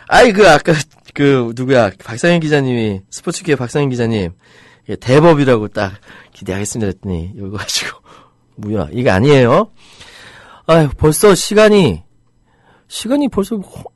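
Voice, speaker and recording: Animated, indignant Korean man broadcasting. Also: mid-range voice, moderate pace, no echo, clean studio sound. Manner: heated, indignant outbursts about rights; chatty, jokey with commenters. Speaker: internet radio host reading listener comments. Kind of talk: live chat with listeners.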